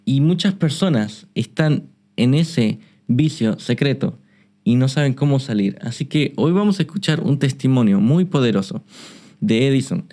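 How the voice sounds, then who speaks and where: A man hosts a Christian interview in a measured, steady voice at an average pitch. He speaks calmly and often repeats his guest's answers back to him. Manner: measured, echoes the guest's words. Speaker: host.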